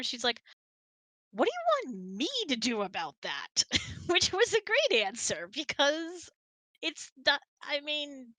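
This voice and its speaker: A giggly, chatty woman hosting a casual hangout, telling anecdotes and answering questions in an animated way. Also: medium pitch, no room sound. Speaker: host of a couple's online hangout.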